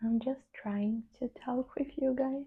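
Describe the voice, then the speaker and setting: The voice is soft-spoken. Its tone is gentle. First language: Portuguese. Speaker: ASMR creator. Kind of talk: soft-spoken ASMR talk to camera. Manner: soft-spoken, gentle, hesitant.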